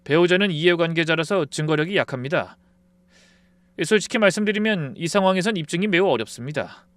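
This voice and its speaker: A man voicing a polite, measured male lawyer giving advice. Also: a little high, expressive, a bit bright, no room sound, pitched above the performer's own voice. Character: calm, formal male lawyer.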